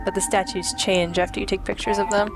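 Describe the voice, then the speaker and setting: A woman's voice: medium pitch, little pitch movement, quick pace. A woman doing chatty, opinionated let's play commentary on a video game in a casual way. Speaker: host playing and presenting a video game. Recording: game music behind the voice. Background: video game music.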